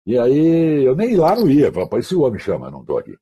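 A man from Mato Grosso do Sul in Brazil, a radio announcer guest on an online call, telling slangy anecdotes with lively, acted-out quoted voices. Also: medium pitch, fast, breathy edge. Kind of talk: casual storytelling.

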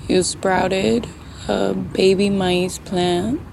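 Woman acting as grieving young grandchild, slow, creaky, hushed audio drama monologue, faint outdoor noise. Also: medium pitch, level tone, rough recording. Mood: tender, grieving.

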